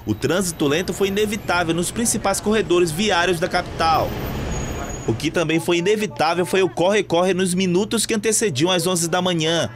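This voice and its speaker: A male reporter with a northern Brazilian accent reading a news report voice-over in a brisk, measured way. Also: high voice, background noise. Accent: Brazilian Portuguese, northern.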